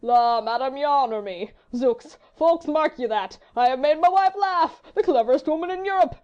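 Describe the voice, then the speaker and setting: A lazily jovial English baronet from a storybook, all affected drawl and hearty bluster, played by a woman reader. He booms his lines with an old-fashioned swagger. The recording sounds a touch dull. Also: normal speed, a little mellow. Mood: boisterous.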